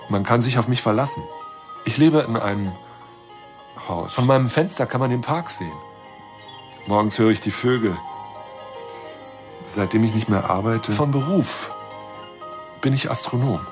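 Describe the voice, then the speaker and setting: A low male voice of an actor plays a shy, lonely astronomer in a radio drama. He speaks haltingly and earnestly, trusting and wistful, as if confiding. Soft music sits faintly behind him. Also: lightly acted. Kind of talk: intimate radio drama monologue.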